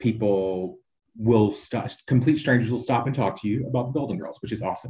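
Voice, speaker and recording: A man's medium-pitched voice with a Southern US accent. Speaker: convention organizer.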